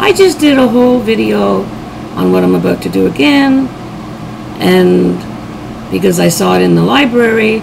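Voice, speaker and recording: A woman speaks over noticeable background noise. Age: 60s. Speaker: beauty vlogger. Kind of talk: casual talk to camera.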